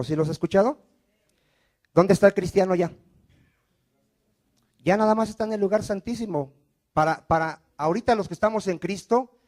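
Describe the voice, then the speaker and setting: A Mexican Spanish–accented pastor, his voice high and a little mellow, preaches to his congregation. He has them repeat after him and peppers the sermon with rhetorical questions.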